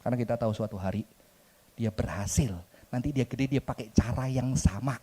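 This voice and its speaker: A man preaching a sermon in a church with a Jakarta accent, an animated, joking storyteller who mixes in slang and English words. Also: medium pitch, brisk. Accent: Jakarta Indonesian.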